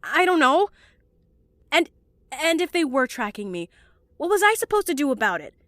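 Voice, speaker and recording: A young woman playing an anxious, well-meaning student in an audio drama, earnest and given to halting, stammering speech. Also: high-pitched, sing-song, a bit bright, no room sound, clean studio sound. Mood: anxious, rambling. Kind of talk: audio drama acting, emotional monologue and dialogue.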